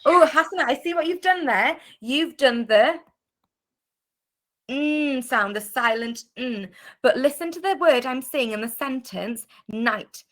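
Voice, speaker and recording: A British woman teaching an online phonics class to young children, sounding out letters clearly and praising often. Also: sits high, expressive, unhurried, a bit bright. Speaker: primary school teacher. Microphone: video call.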